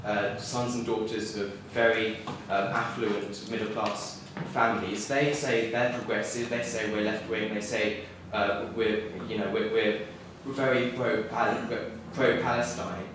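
A young male university student asking a panel a question, hesitant and earnest with many pauses. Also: lowish voice, steady tone. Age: young adult. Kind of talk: audience question at a debate. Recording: echoey hall, distant mic, faint noise.

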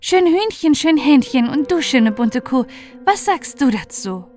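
A woman voicing a kind, gentle young girl in a fairy tale. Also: sits high, animated, measured pace, soft background music, pitched above the performer's own voice. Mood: caring. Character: kind, obedient young girl caring for animals.

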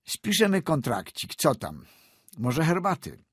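A man's voice: fairly high pitch, wildly swooping pitch, a little slow, husky, dry recording, clean studio sound, voice pushed up, full character voice. A man voicing a blustering young squire. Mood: haggling. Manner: bluster, bargaining, mocking laughs. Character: boastful young male landowner, haggling.

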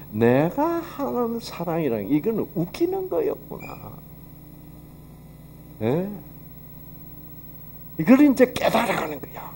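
At a health seminar, this man teaches from the Bible in a conversational lecture, asking his listeners rhetorical questions and performing quoted lines as he goes. His voice is slightly high and mellow, with a bit of background noise.

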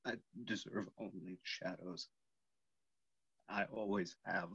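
An actor playing a dying, tormented, lonely Phantom with broken, halting delivery in a staged reading over a video call. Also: male voice, deep voice, steady tone, gravelly, a bit bright, husky, no echo, exaggerated voice. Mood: weary, dying. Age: middle-aged. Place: small room indoors, video call. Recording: dull video call audio.

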